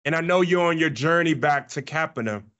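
A man in his thirties, a pastor preaching a sermon to camera, fervent and often repeating words as he starts sentences, on a boom studio mic in a small studio set. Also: brisk, a bit bright, clean tone, lo-fi sound. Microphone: boom-mounted studio mic.

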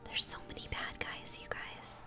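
A young woman whispers ASMR game commentary, chatting encouragingly to her viewers. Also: moderate pace. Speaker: game streamer. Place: indoor room at home. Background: video game music.

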